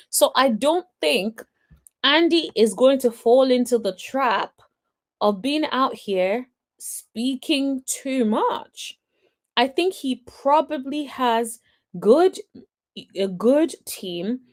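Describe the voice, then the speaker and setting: This is a woman hosting a casual celebrity-gossip recap. She talks in a chatty, opinionated way and keeps asking rhetorical questions. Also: fairly high pitch. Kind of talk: casual commentary vlog.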